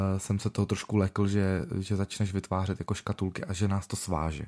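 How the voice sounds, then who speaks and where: With a dark, mellow tone and flat, monotone intonation, a man speaks in a dry, close sound with no echo. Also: very clean recording, silent background. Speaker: podcast host. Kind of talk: casual chat. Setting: at home on the couch.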